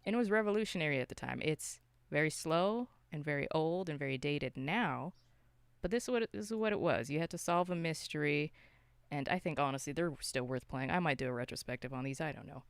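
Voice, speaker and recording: A podcast host chatting casually about films and games in an animated, self-interrupting way with some mild swearing. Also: mid-range voice, brisk, clean tone, no echo. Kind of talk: casual film and game discussion.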